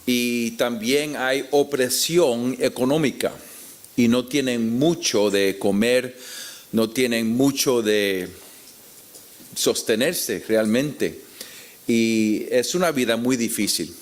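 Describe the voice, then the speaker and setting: Slow-paced Puerto Rican man teaching. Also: medium pitch. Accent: Puerto Rican Spanish. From Puerto Rico. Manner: deliberate, explanatory, with rhetorical questions. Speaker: preacher teaching at a conference. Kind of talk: expository Bible teaching to an audience.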